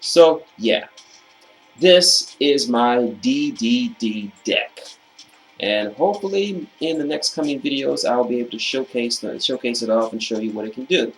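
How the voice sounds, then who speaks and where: A man presenting a card game deck in casual commentary, reading out card text and stressing key phrases by slowly repeating them, his voice slightly hoarse. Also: mid-range voice, faint music behind, low-quality recording.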